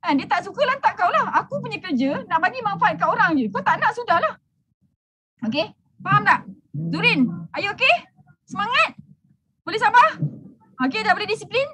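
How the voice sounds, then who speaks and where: A woman's voice: very high-pitched, big pitch swings, moderate pace, long pauses, bright, forceful tone, slight background noise. A middle-aged woman with a Malaysian Malay accent, giving a brash, teasing motivational talk to a group as a business mentor, laughing often.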